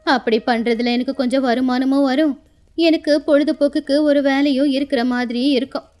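A woman voicing an affectionate, sorrowful elderly village grandmother, speaking slowly and plaintively in a children's moral story. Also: high-pitched, steady tone, a little mellow, faint music behind, lightly acted. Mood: tender, resigned. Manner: plaintive, slow, tender.

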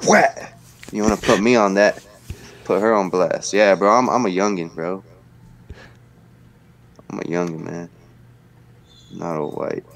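A young man in his twenties hosts a casual livestream from a room at home, talking loosely into his webcam with slang and reading viewers' messages aloud. His very low voice is relaxed, talkative and creaky, a little slow, with long pauses.

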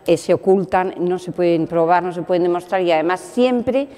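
A woman's voice: on the low side, moderate pace, dark tone. A woman activist talking reflectively in an interview, often restarting her phrases. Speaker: activist, organizer. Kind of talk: interview talk.

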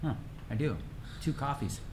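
A man's voice: medium pitch, animated, normal speed, background noise. A man in his forties chatting energetically and rambling while streaming a game from his home room. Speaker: poker streamer. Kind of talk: casual livestream chat.

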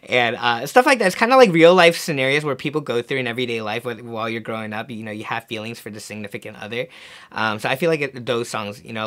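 A young man born in Korea, talking casually in an interview in a music studio, relaxed and full of fillers and little laughs. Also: lowish voice. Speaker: singer-songwriter. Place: music studio with mixing console.

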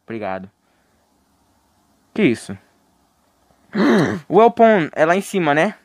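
A man's voice: a little high, very animated, takes it slowly, vocal fry, no room sound, studio quality. Young Brazilian man yelping through a game. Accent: Brazilian Portuguese. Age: young adult. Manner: jokey, panicky yelps and screams when scared. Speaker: game streamer. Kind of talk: live gameplay commentary.

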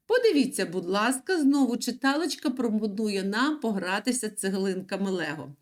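A woman teaching young children an online reading and writing lesson, explaining patiently step by step. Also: mid-range voice. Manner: slow, patient, lively sing-song explaining. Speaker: primary school teacher.

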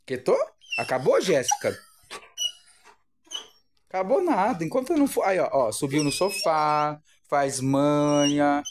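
Lively Brazilian man vlogging at home. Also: fairly high pitch, measured pace, long pauses, noisy background. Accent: Brazilian Portuguese. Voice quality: animated, playful narrating. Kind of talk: casual chat to viewers. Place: home living room with a sofa.

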